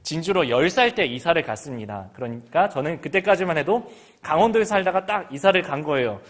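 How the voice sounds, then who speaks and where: A middle-aged man from Gangwon Province leads a sermon with a voice that sits somewhat high for a man. He reads the scripture, then shifts into an easy, conversational tone, asking his listeners questions as he talks. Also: lively intonation, a little fast. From Gangwon Province, South Korea. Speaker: pastor.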